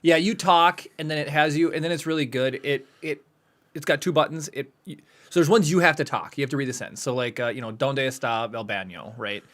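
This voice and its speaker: A man co-hosting a podcast in casual, animated chat, laughing often as he talks. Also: mid-range voice, fairly quick. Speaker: podcast co-host. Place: home studio podcast set.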